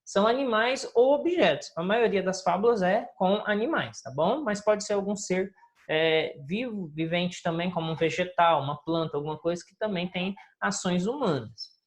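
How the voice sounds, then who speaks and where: A woman's voice: on the low side, moderate pace. A woman teacher, reviewing a recorded lesson and explaining with questions to her pupils. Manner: explanatory, asks the listeners questions.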